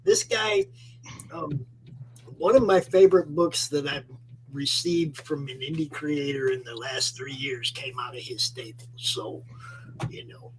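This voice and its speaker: A man co-hosting a casual panel, loud and energetic, hyping up a guest. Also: on the high side, a little slow, a little hiss or hum, poor audio. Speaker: co-host. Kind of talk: casual chat.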